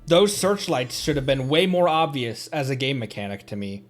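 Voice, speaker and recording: A man livestreaming a video game in a casual, running commentary. His middle-pitched voice swings up and down in a hugely animated way as he muses aloud to himself. Faint game music plays behind him. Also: normal speed.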